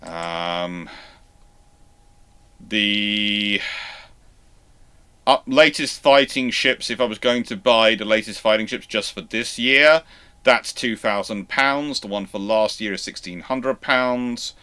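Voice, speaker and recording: Low, bright-voiced man, halting delivery. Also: clear, resonant tone. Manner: halting, rambling, often repeats and restarts phrases. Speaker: host of a naval history livestream. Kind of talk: unscripted livestream Q&A, answering viewer questions.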